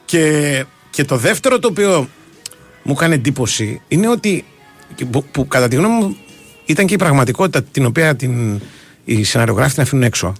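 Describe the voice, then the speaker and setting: A man's voice: mid-range voice, very animated, soft background music. Guy cohosting radio, rambles on with lots of fillers. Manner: rambling, digressive storytelling with many fillers. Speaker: radio sports show co-host. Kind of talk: casual radio chat.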